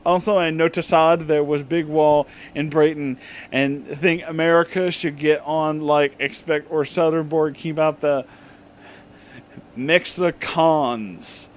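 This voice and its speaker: A man's voice: fairly high pitch, fairly even intonation, a little hiss or hum. A man reading fan fiction aloud as a comedic dramatic reading, pronouncing the misspellings just as written and adding asides. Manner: deliberately reads misspellings as written.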